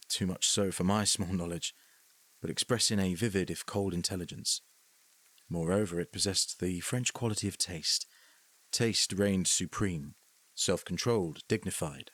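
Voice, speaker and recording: Deep-voiced man narrating a horror tale. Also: breathy edge, no echo. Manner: measured, sinking to a hush in tense passages. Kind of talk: scripted horror story narration. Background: faint music.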